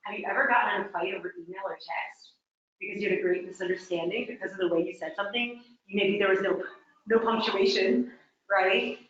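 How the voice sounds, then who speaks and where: A woman from New York leads a live workshop, chatty and quick to quiz the people in front of her. Her voice bounces around a very echoey training room. The sound is slightly dull and muffled. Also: mid-range voice. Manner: chatty, quizzes the audience. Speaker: real estate workshop presenter. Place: training room with a small audience.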